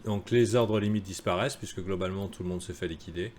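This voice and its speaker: Casual low-voiced French trading streamer. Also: male voice, steady tone, fast talker, darkish tone, a little hiss or hum. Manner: casual, joking, many fillers. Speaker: crypto trading analyst. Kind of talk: live-streamed market analysis.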